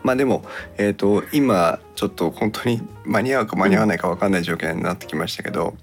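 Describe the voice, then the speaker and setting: A man's voice: deep voice, fast talker, faint music behind. A man hosting a podcast about home appliances in casual chat, thinking aloud in short conversational phrases. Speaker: podcast host.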